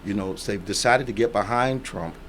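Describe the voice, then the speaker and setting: A man in his sixties hosts a call-in talk program. His voice sits fairly low, and he speaks plainly and steadily, repeating key phrases. There is a faint hiss in the background. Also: brisk, fairly bright tone. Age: 60s. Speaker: radio talk show host.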